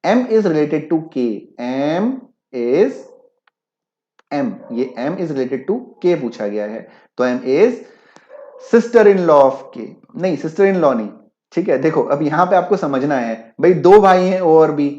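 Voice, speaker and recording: Higher-voiced teacher, echoey and dull. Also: male voice, lively intonation, slow, mellow. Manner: mixes Hindi with English, keeps checking if students follow. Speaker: online exam-prep teacher. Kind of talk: live-class explanation with chat replies.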